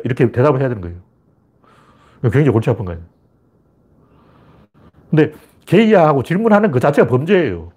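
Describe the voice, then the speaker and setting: Heated husky man ranting fast. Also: mid-range voice, darkish tone. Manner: heated, emphatic, acts out taunting questions. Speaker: political commentator. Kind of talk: political monologue.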